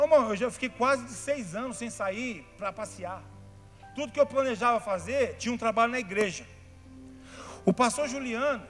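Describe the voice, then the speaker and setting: A Brazilian man, a pastor, preaching a sermon, telling stories in a chatty way that builds to fervent shouting. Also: high-pitched. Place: church hall. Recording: reverberant church hall, faint music behind.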